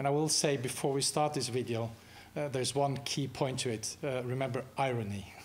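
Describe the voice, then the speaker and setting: In a room with audible echo, a man with a Norwegian accent talks at a fairly quick pace. His medium-pitched voice is somewhat breathy, with fairly even intonation. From Norway. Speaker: business executive. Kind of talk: lecture. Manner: halting.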